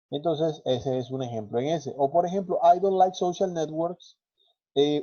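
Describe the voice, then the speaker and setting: A man teaches English grammar in a patient, explanatory way and slows down for each example sentence. His voice is very dark and mellow. The sound is dull and lo-fi, like an online class. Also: fairly high pitch.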